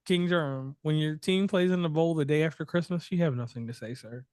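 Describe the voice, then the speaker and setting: Fast-talking man on a dry mic. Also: fairly high pitch, clean tone, dry recording. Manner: rapid, animated back-and-forth. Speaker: podcast host. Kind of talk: casual podcast chat.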